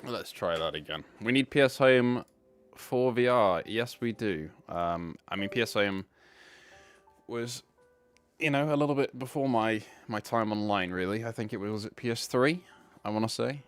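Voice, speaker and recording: A man's voice: fairly low pitch, animated, moderate pace, smooth, faint music behind. A man hosting a casual live stream, rambling as he sorts out camera trouble. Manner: rambling, fixing tech while talking.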